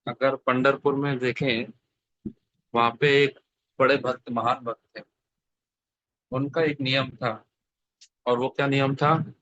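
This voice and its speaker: A man's voice: medium pitch, fairly even intonation, slow, long pauses, fairly bright tone, no echo. A man giving a devotional scripture sermon over an online video call, telling stories and asking his listeners questions. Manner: storytelling, asks the audience questions. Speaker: scripture speaker. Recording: dry, slightly dull online call audio.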